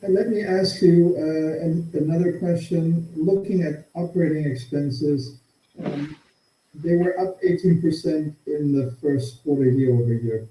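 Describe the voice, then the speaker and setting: A man with a very mellow, dark and slightly high voice moderates an investor call as an analyst. He sounds conversational, in an echoing space. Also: measured pace. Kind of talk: conversational questioning on an earnings call. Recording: muffled echoey call, faint noise, clicks.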